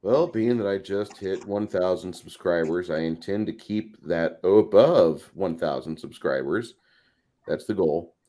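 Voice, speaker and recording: A man's voice: low voice, unhurried, warm tone. A man chatting casually as a guest and video creator on an online panel. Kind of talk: casual chat.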